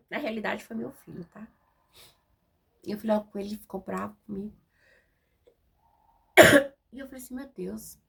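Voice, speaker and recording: A woman's voice: medium pitch, moderate pace, vocal fry, long pauses, a bit bright, slightly rough. A woman with a Brazilian Portuguese accent preaching a conversational sermon, direct and informal, often checking in with tag questions.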